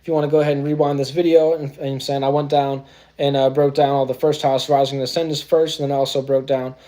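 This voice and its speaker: A man with a medium-pitched, mellow voice talks fast with a flat delivery. He hosts an astrology livestream, chatting loosely and casually with AAVE slang. He keeps saying "you know what I'm saying" and drops into slang.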